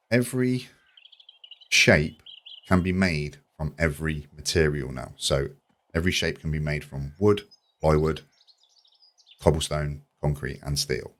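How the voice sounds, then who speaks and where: A man giving chatty, enthusiastic commentary as a let's play host, slightly croaky from a sore throat. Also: rumbling low. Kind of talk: casual video game commentary.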